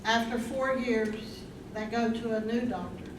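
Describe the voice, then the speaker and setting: A woman playing a plain, measured storyteller, narrating a scripted drama in a staged reading. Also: on the high side, fairly even intonation, lightly acted. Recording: echoey distant stage recording, clear noise.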